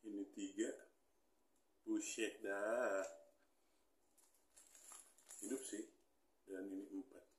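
A man's voice: fairly low pitch, little pitch movement, slow pace, pauses often, reverberant. A man in his thirties chatting casually to camera in a small room, thinking aloud with lots of fillers and mild grumbling. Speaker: hobby vlogger. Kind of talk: casual unboxing chat. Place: small indoor room with pink wall.

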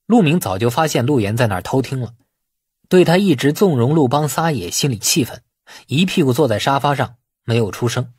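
A man narrates a novel in an expressive, animated storytelling style. His mid-pitched voice has a husky edge and the recording is dry and close. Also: a little fast, dry recording. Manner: expressive storytelling, acting out dialogue. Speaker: audiobook narrator. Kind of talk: dramatic scripted narration of a novel.

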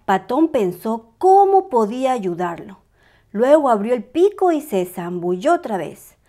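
A woman reading a picture book aloud as a storyteller, with expressive, dramatized narration for small children. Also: on the high side, unhurried.

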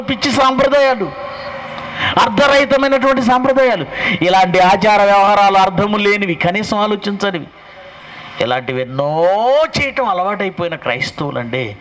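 A man's voice: sits high, moderate pace, pauses often, a bit bright, slight background noise, low-quality recording. A male pastor preaching a sermon and pressing his point with rhetorical questions. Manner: emphatic, fires rhetorical questions.

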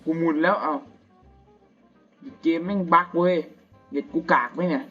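Young man, student, casual gameplay commentary, slangy and crude, excitable, slightly high voice, lo-fi recording. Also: normal speed. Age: young, still a student. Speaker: gamer. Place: at home at night. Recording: dull lo-fi audio with game music.

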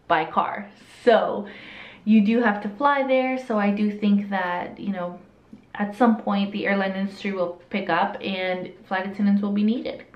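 A woman in her late twenties from El Salvador, raised in Southern California, with a light Hispanic accent. She talks in a candid, chatty way and restarts sentences often. Her voice is recorded on a camera in a small room that sounds roomy and a little dull. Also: mid-range voice. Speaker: vlogger. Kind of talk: casual Q&A while doing makeup. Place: small indoor room with a curtain backdrop.

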